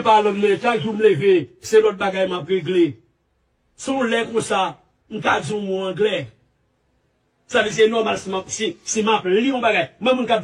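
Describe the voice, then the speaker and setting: High pitched guy rambling on, lots of restarts, sounds far away on a played clip. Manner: repetitive, halting, restarts often. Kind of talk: rambling spoken statement.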